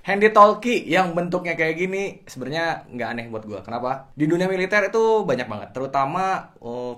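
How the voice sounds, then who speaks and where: A male guest commentator speaks with a colloquial Jakarta accent at an average pitch. He chats informally and explains his views with expressive, uneven emphasis. His wording is slangy and his manner is jokey. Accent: Indonesian, Jakarta colloquial. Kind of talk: casual chat, explanatory opinion.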